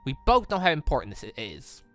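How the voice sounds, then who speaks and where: A game player voicing a grave, worried male military commander with a measured, solemn and formal delivery. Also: medium pitch, huge pitch swings, fairly bright tone, soft background music. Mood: stern concern.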